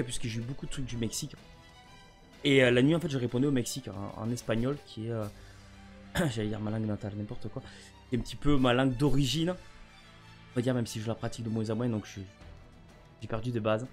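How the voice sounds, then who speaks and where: A man's voice: medium pitch, fast, pauses often, soft background music. A French man chatting casually to camera about a gift, often rambling and stammering over his words. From France. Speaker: gaming vlogger.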